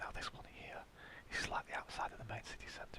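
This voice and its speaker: A whispering voice comes through noticeable background noise. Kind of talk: ASMR travel voiceover. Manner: whispered.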